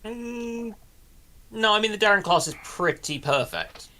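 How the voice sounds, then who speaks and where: A man's voice: high-pitched, lively intonation, unhurried, bright, forceful tone. A man speaking as a panellist in casual chat, hesitant as he searches for his words.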